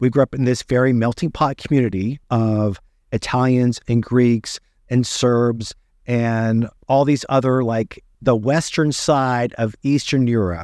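A man with an American accent has a plain, everyday voice at a medium pitch, with fairly even intonation and a fairly slow pace. The recording is very clean with a silent background, with a dry, close sound with no echo. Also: very even loudness. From West Virginia, near Ohio and Pennsylvania border. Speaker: health sciences professor. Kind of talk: interview conversation.

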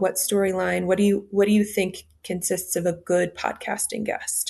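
A woman speaks at a moderate pace in an unremarkable speaking voice, medium in pitch. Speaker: podcast co-producer interviewing the host. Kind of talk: casual interview.

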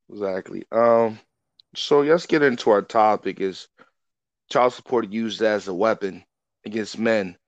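Against a quiet background, a man with an American accent speaks at a medium pitch with ordinary pitch variation and long, frequent pauses, in a dry, close sound with no echo. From US South. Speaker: podcast host. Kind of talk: casual interview chat.

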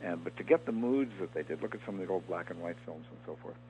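Speaking at a fairly low pitch, a man's voice carries vocal fry. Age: 70s. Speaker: TV producer. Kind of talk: interview.

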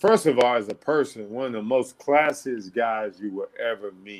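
A man with an American accent at a medium pitch, an ordinary speaking voice. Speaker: former pro basketball player and coach. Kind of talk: interview.

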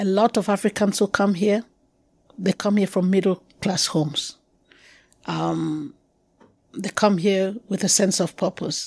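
In a Cameroonian accent, a woman speaks at a fairly slow pace with vocal fry. Her intonation is monotone and flat, broken by long, frequent pauses. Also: medium pitch for a woman. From Anglophone Cameroon (Kumba). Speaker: professor and poet. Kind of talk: interview. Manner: halting.

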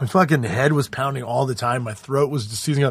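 A man talks at a very fast pace in a medium-pitched, somewhat breathy voice. His pitch varies in an ordinary way. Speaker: actor. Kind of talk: casual chat.

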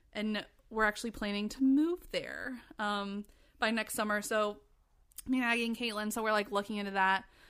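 A very clean recording, silent in the background, of talking at a fairly quick pace. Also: woman, fairly high pitch for a woman. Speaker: podcast co-host. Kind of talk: casual chat. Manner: animated.

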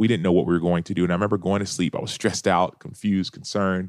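An animated man with an American accent talks at a very deep, low pitch. His pitch varies in an ordinary way, and the sound is dry and close with no echo. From Texas. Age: 30s. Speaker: former football player and author. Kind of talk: casual interview storytelling.

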